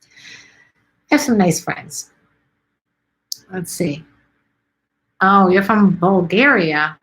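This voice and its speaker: A woman's voice: fairly low pitch, animated, extremely slow, fairly bright tone, poor audio. A middle-aged woman from Chicago hosts a live stream, chatting casually and rambling with lots of ums as she reads viewer comments. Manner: chatty, rambling, many ums and let's sees.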